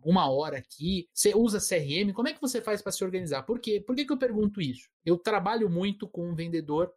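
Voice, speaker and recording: A curious host interviews a guest in a relaxed chat, often speeding through a string of questions. The voice sits at an ordinary middle pitch. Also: quick pace. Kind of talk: casual interview.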